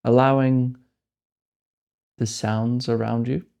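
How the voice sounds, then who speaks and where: A man leading a guided meditation as host, speaking gently in unhurried phrases with deliberate pauses. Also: medium pitch, little pitch movement, gravelly.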